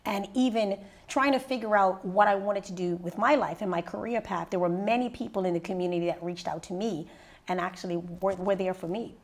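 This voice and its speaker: A woman in her thirties from Bermuda, a radio personality and mentor, telling her story in a sit-down interview with lively, rising energy. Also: brisk. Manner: lively storyteller, rises high when excited. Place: living room set indoors.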